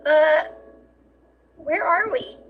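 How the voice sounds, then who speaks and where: A woman's voice: extremely high pitch, extremely slow, phone-quality sound, faint music behind, heavily acted. A woman voicing a confused, distressed young boy in a dramatic comic dub. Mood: dazed, pained.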